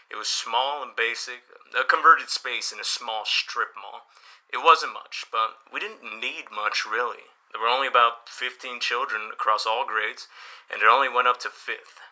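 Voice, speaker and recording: A man's voice: medium pitch, pushed and bright, rough recording. A man playing a helpful, easygoing small-town newspaper boss in an audio drama, chatty and encouraging as he explains things. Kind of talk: audio drama dialogue, conversational.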